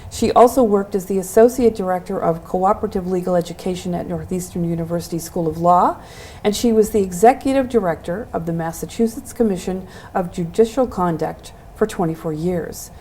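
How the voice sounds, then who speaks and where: A woman's voice: lowish voice, a little fast, warm tone, slight background noise. A woman hosting a local access television show, introducing guests and asking them encouraging questions. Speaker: host.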